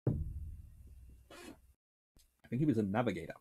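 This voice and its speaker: A man's voice: fairly low pitch, lively intonation, normal speed, background noise. A British man in his thirties, a naval historian host, chatting casually from a book-lined home study with dry, wry asides and sudden bursts of enthusiasm. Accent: British English. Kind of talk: casual chat reviewing books and answering questions.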